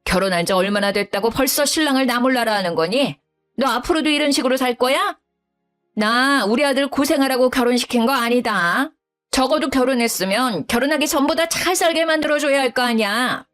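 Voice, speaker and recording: A woman's voice: fairly quick, a bit bright, faint music behind. A woman voicing a domineering older mother-in-law who scolds and talks down to her daughter-in-law. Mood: scolding. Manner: scolding, shrill, condescending.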